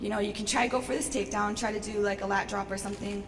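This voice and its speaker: A young woman fighter with a voice gone hoarse, answering press questions in a casual, upbeat way. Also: medium pitch, steady tone, racing. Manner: casual, upbeat, laughs often. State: losing her voice. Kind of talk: post-fight press interview. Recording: noisy long-reverb hall.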